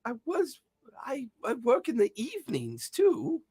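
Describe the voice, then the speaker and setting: Guy doing a flustered old grumbler for a tabletop game, mumbly and stammery, voice way up high, raspy. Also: wildly swooping pitch, unhurried, a little mellow, heavily acted. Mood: querulous. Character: grumbling, flustered, reluctant old man servant. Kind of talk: tabletop role-play.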